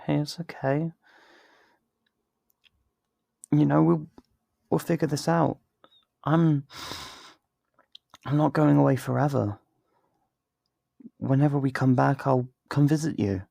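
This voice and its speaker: Man acting, tender torn best friend, ASMR audio roleplay, slow halting delivery, creaky voice, pleading, emotional. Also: on the high side, fairly even intonation, dark tone, no room sound, studio quality, full character voice. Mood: gentle, reassuring. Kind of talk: intimate ASMR roleplay, dramatic monologue.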